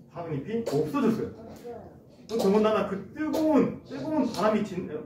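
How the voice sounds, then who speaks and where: Animated male pastor in an echoey church. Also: high voice. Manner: animated storytelling, acting out the characters. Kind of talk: children's sermon storytelling. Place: church sanctuary. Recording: echoey church hall from far off, background noise.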